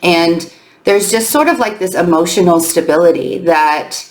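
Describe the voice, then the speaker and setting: A woman giving a chatty weekly astrology and tarot update, her voice slightly hoarse as she loses it, with frequent ums. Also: lowish voice, moderate pace, reverberant, low-quality recording. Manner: chatty, with many ums and loose restarts.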